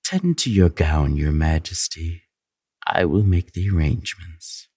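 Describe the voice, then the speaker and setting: A man playing a scheming, manipulative royal advisor in a fantasy audio drama, with a sly, flattering, insinuating drawn-out delivery. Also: low voice, husky, dry recording, studio quality.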